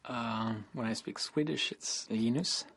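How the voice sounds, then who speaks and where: A man talking thoughtfully with pauses in a documentary interview. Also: fairly low pitch, a bit bright, breathy edge. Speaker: interviewee, kernel developer.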